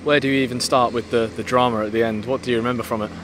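A man interviewing a football coach outdoors on a pitch at night, asking brisk, friendly questions. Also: steady tone. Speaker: club media interviewer. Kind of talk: post-match interview questions. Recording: outdoor with clear background noise.

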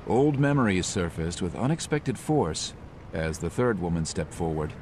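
A man narrating a motion comic in a measured, descriptive manner. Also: sits low, lively intonation, a little mellow, a little hiss or hum. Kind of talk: scripted narration. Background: music.

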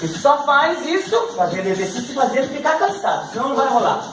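A man's voice: very high-pitched, sing-song, fast talker. A middle-aged man with a Brazilian accent leads an exercise class for older pupils, counting and cheering them on between laughs. He is picked up by a camera across an echoey living room. Music plays steadily behind him. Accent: Brazilian Portuguese. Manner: upbeat counting and cueing, frequent laughs. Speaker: fitness instructor.

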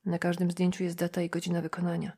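A woman narrating an audiobook in a calm, even reading voice. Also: lowish voice, quick pace, husky. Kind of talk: scripted narration.

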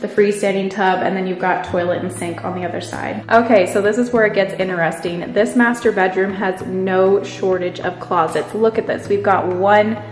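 A woman's voice: mid-range voice, steady tone, moderate pace, hardly any pauses. Upbeat woman vlogger, echoey rooms. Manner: upbeat, enthusiastic. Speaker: home renovation vlogger and host. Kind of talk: casual house tour narration. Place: empty house, indoors. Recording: echoey empty rooms, music underneath. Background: background music.

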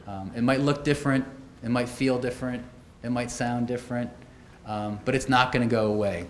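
Speaking fairly quickly in a steady, mid-range voice, a middle-aged man delivers a conference keynote from a podium, telling stories conversationally with wry asides. Podium microphones pick him up in an echoey auditorium with faint background noise.

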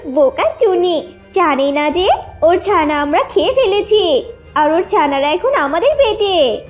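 A greedy cartoon vixen, put on by a woman, very high and animated. She is whiny, theatrical and two-faced, with faint music behind. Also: takes it slowly, heavily acted. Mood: gloating. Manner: whining, theatrical. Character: deceitful female fox, mock-weeping, greedy. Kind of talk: children's cartoon voice acting.

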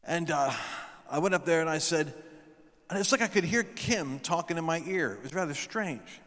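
A middle-aged man telling stories from a stage, preaching into a handheld mic and building up to shouted proclamations. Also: fairly high pitch, expressive, normal speed. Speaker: guest speaker. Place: large event hall stage. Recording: long hall reverb.

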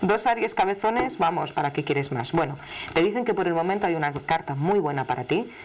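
A middle-aged woman from Asturias with an Asturian accent and a low, deep voice, doing a live studio tarot reading. She talks to the caller emphatically and familiarly, with chatty warmth in her words. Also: expressive, brisk. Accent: Asturian Spanish. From Asturias, Spain. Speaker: television tarot reader. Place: television studio. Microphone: studio microphone, seated at desk.

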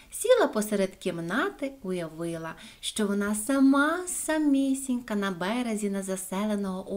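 A woman narrating a children's fairy tale in a gentle, expressive storybook voice. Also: mid-range voice.

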